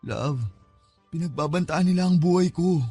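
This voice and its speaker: An actor as a wheedling, desperate gambler boyfriend in a radio drama. His voice sits fairly high, whiny and pleading, with music playing underneath. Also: moderate pace, mellow, lightly acted. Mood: sheepish pleading. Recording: dramatic music bed behind the voice.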